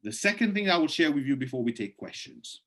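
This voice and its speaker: A man gives a webinar presentation on a video call and then takes live chat questions, sounding persuasive and emphatic as he pushes his voice up sharply on key points. His voice is on the high side, fairly bright and brisk with big pitch swings, but hoarse, and he clears his throat now and then.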